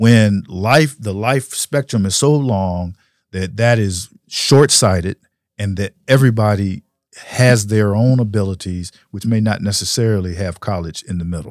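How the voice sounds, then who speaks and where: A man's normal speaking voice with an American accent, fairly low in pitch, with ordinary pitch variation and a fairly slow pace, on a very clean recording with a silent background and a dry, close sound with no echo. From South Florida, Palm Beach County. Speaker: trial lawyer. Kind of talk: interview.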